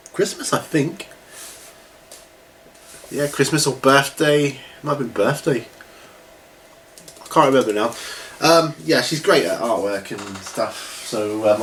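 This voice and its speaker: Speaking in a fairly high, fairly bright voice, this middle-aged host of a hobby question-and-answer series rambles casually to the camera. A lingering cold leaves him a little congested and coughing. Noise is clearly audible in his home recording.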